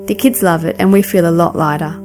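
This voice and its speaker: A woman's voice: on the low side, brisk, music in the background. A woman presents a scripted radio parenting segment in a wry, storytelling tone.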